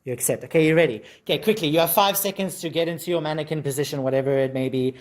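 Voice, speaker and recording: A woman's voice: sits low, rapid-fire, a little mellow. A woman hosting a casual challenge segment, upbeat and cheerful, counting down for her crew. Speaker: host running the crew challenges.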